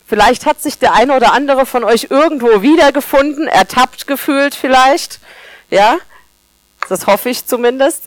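A woman's voice: fairly high pitch, no echo, poor audio. Woman preaching, friendly, conversational, talks to the congregation, dry close sound. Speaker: preacher, teacher by profession. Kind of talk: sermon.

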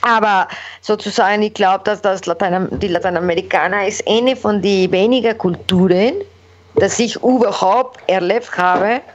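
Woman speaking halting German. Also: mid-range voice. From Mexico. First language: Spanish. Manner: halting non-native German, many fillers and restarts. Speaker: guest. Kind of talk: casual interview talk. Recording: dull lo-fi recording.

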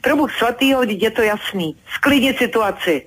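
Irate lady caller on the radio, high voice, keeps telling them off. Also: lively intonation, breathy edge, low-quality recording. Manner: exasperated, insistent, lecturing. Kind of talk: radio call-in complaint.

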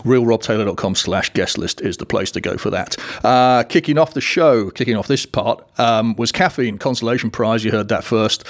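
A man hosting a music podcast, talking casually with many fillers and wry asides. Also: fairly low pitch.

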